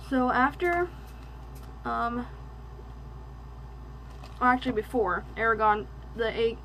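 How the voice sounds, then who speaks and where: A young woman with a slightly high voice reads a novel aloud in a steady, monotone way, then breaks off to chat about it. She stumbles and restarts now and then. A faint hiss of background noise sits under the recording. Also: poor audio. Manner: monotone delivery. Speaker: book reviewer. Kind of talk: reading aloud and casual book review.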